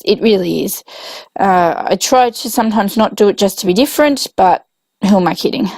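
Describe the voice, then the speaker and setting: Hoarse, gravelly woman narrating her crafting. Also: medium pitch, darkish tone, no room sound. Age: adult with a young child. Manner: rambling, self-correcting, many ums. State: hoarse, voice coming and going from illness. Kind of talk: casual voice-over narration of a craft video.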